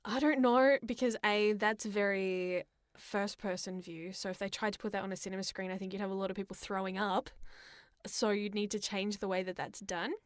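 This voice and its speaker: A woman's voice: mid-range voice, steady tone, fairly quick, no echo, clean studio sound. A woman chatting casually as a podcast co-host, informal and opinionated in the way she talks. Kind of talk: casual chat about games and films.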